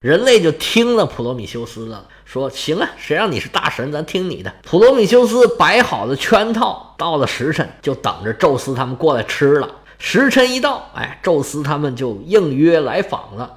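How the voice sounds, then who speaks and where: Male storyteller, lively and colloquial, humorous myth-telling, expressive swings. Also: a little high, normal speed, hardly any pauses. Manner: colloquial, lively, jokey asides.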